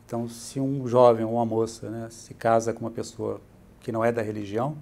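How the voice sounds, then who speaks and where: A man's voice: mid-range voice, brisk, gravelly. A middle-aged man with a Brazilian accent, a church bishop patiently explaining things as an interview guest, often adding "né". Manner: steady, explanatory, adds "né" often. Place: bright furnished room, indoors.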